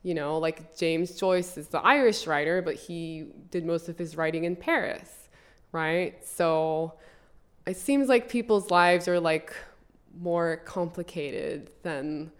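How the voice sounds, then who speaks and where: A woman's voice: lowish voice, slow pace, clear, resonant tone. A young woman who grew up in Colombia, talking casually as an author guest in an interview, rambling with many "like"s. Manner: rambling, filler-heavy with frequent "like". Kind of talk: podcast interview.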